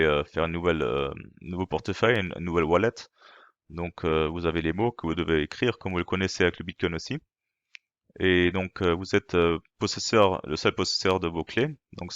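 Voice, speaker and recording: This crypto channel host speaks in a low, slightly bright voice, with no room sound and dull audio. A non-native speaker whose first language isn't French, he translates a video in a casual explainer, hesitating often and using many fillers and restarts.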